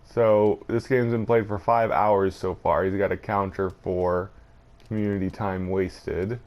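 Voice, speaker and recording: Male gameplay host, lowish pitch, casual commentary, rambling, thinking aloud. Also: steady tone, unhurried, a little mellow.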